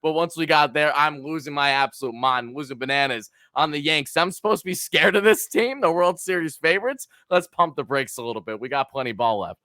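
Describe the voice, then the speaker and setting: A man hosting a sports podcast, talking in a casual, excited way, his voice hoarse from cheering. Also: a little high, fairly quick, few pauses, dry recording, clean studio sound. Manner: excited, fan-like, hyped. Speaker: podcast host.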